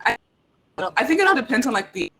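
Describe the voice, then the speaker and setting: A young woman on a casual panel, talking in a scattered, halting way and often breaking off mid-phrase. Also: fairly high pitch, wildly swooping pitch, pushed and bright. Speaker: audio drama creator and panelist. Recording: faint background noise and room ambience.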